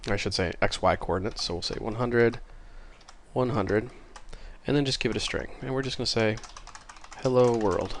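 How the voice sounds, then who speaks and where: A man with a lowish voice hosts a screen-recorded coding tutorial at a moderate pace, sounding a bit stuffy from a cold. He's casual and apologetic, correcting himself as he goes, and a faint hiss or hum can be heard.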